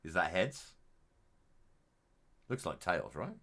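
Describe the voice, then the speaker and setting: A man's voice: low-pitched, sing-song, takes it slowly, vocal fry, a bit bright, breathy edge. A young man with a Black Country accent gives casual, rambling let's-play commentary, joking between moments of play. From English Midlands. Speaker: game streamer.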